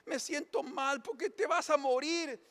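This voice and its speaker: A man's voice: very high-pitched, measured pace, a bit bright, big-room sound, pitched above the performer's own voice, full character voice. A man voicing an anxious, weepy husband who frets about death in a whiny voice. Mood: fretful. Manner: whiny, fretful.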